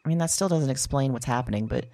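An actress playing a bewildered, guarded autistic woman in an introspective audio drama monologue, speaking in a halting, confiding way. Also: extremely low pitch, mellow, no echo. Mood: searching, uncertain.

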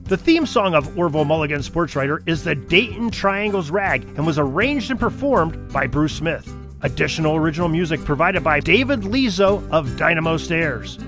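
A man reading the closing credits of a podcast in a cheerful, announcer-like way. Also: fairly high pitch. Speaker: podcast producer and host. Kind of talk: scripted credits and promo. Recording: music bed underneath.

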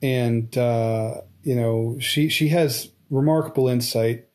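A man's voice: mid-range voice, takes it slowly, a little mellow. A man of forty hosting his own podcast, talking casually with many restarts and fillers. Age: 40s. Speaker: podcast host. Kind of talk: casual interview chat.

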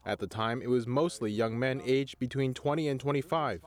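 A male official calmly describing the situation in a news interview clip. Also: mid-range voice, normal speed.

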